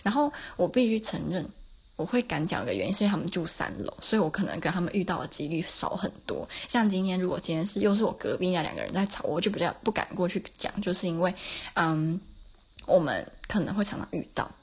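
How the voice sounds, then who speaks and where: A woman's voice: lowish voice, animated, fast talker, darkish tone, breathy edge. A woman, hosting a casual solo podcast and telling self-mocking stories with plenty of laughs. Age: 20s. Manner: chatty, self-mocking anecdotes with frequent laughs. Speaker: podcast host.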